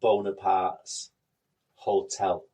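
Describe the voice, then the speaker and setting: A man's voice: low-pitched, little pitch movement, extremely slow, a crowd in the background. A man co-hosting a podcast, chatting casually with dry, matter-of-fact teasing. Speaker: podcast co-host. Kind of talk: casual chat.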